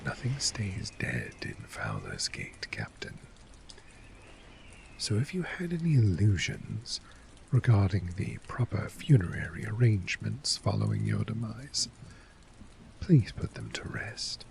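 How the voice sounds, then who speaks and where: A man playing a cynical, world-weary fort official in a soft-spoken ASMR fantasy role play, measured and sardonic, sometimes dropping toward a whisper. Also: on the low side, huge pitch swings, creaky, background noise, full character voice. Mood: grim, wry.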